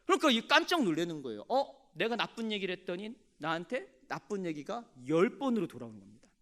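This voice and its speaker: A man's voice: high voice, very animated, quick pace, bright, forceful tone. A male pastor delivering a sermon, telling stories with animation and calling on the congregation to respond.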